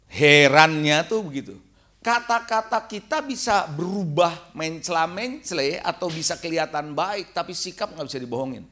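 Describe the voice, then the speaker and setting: A middle-aged man preaching to young people with a lively, swooping delivery. His voice sits a little high for a man, and he keeps firing questions at the crowd and acting out little replies. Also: normal speed. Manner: animated, quizzing the crowd with questions; acts out quoted replies in a higher voice. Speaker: pastor. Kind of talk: lively youth sermon.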